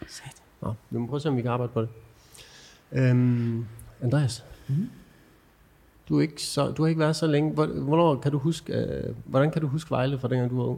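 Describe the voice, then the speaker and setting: A man with a medium-pitched, dark and mellow voice speaks at a moderate pace with ordinary pitch variation and long, frequent pauses. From Denmark, Jutland (Give). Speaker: podcast host. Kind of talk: casual chat.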